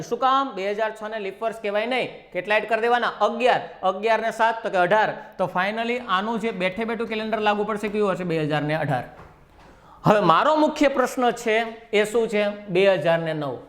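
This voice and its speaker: A man with a Gujarati accent giving a reasoning lecture, firing rhetorical questions at his students and acting out little dialogues to make each step clear. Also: high voice, fairly bright tone. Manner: acts out dialogues with the numbers. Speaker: reasoning teacher. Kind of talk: classroom lecture.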